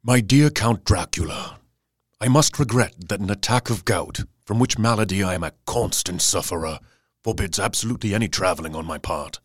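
An actor playing a gout-plagued, deferential solicitor reading out his formal letter in an audio drama, with a husky voice. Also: lowish voice, brisk, no room sound, studio quality, lightly acted. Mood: formal, regretful.

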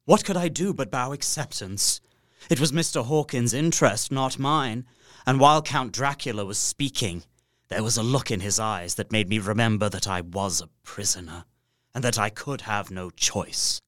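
An actor playing a proper, apprehensive young Victorian gentleman narrating his journal in an audio drama, measured and formal. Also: lowish voice, no echo, studio quality, close to an everyday voice. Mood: grave, uneasy.

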